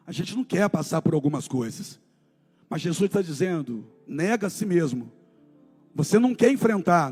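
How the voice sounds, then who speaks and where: A man preaching a church sermon with a high, slightly husky voice. His delivery is fervent, climbing into shouted declarations and dropping to hushed, intense storytelling. Faint music sits under the voice. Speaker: pastor. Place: church service.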